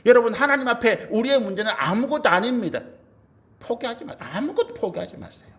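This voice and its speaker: Middle-aged pastor guy preaching in church, high voice that swings all over, acts out the quotes. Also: big pitch swings, a little fast. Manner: dramatic, acts out quoted voices with big swings in pitch and loudness; asks the congregation rhetorical questions. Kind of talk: sermon. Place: church sanctuary.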